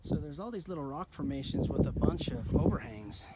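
A man's voice: fairly high pitch, a little fast, very noisy. Man narrating a mountain hike. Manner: relaxed, offhand commentary. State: out of breath at times. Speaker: hiking vlogger. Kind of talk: casual narration while hiking. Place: outdoors in rocky mountain terrain. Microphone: handheld camera.

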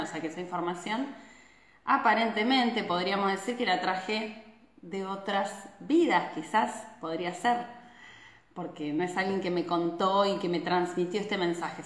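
A woman in her thirties with an Argentine Spanish accent talks to viewers in a chatty live stream, tossing in constant tag questions as she gestures. Her pitch sits in a middle range for a woman. The phone at arm's length picks up a small room with a noticeable echo. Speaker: Ayurveda doctor hosting a live stream. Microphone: phone camera at arm's length. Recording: echoey room.

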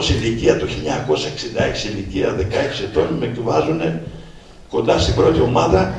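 A gravelly man in his 60s, with a medium-pitched, darkish voice, presents his book by telling personal stories in an event hall. He speaks directly to the audience and acts out old conversations. The hall is echoey, the mic distant, and there's faint noise.

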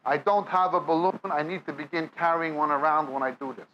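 A sermon is delivered briskly by a man with a New York accent and a fairly high voice, who reads scripture aloud and explains it to a live audience in a church or meeting hall. He's a Bible teacher, and the recording has cut-off highs plus a little hiss or hum.

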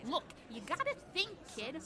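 A woman's voice: high voice, sing-song, moderate pace, crowd noise. A woman playing a bossy, streetwise host of a comedic radio survival guide, sassy, theatrical and tough-talking. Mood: cocky. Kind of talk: comedic audio drama acting.

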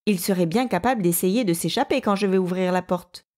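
A woman's voice: mid-range voice, a little fast, darkish tone, close to an everyday voice. A woman voicing a big, gullible male bear who scares easily, with fussy, nervous exclamations. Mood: friendly.

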